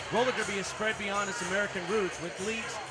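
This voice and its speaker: Loud background noise behind a man's moderate pace. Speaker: roller derby commentator. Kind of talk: live sports commentary. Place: hall. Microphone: handheld.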